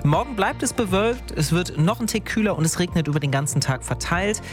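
A man's voice: high-pitched, expressive, fairly quick. A man hosting a morning radio show, reading weather and traffic in a chatty, friendly way. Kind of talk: upbeat radio presenting. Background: music bed.

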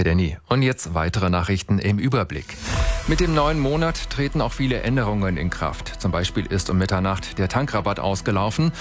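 A man reading the morning radio news as anchor, steady and measured, handing over to a reporter. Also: on the low side. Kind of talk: read radio news bulletin.

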